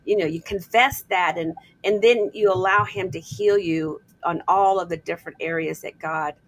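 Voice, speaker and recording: A woman's voice: fairly low pitch, moderate pace, low-quality recording. A woman hosting a podcast, speaking in an affirming way about faith and healing. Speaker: podcast host. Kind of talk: podcast interview.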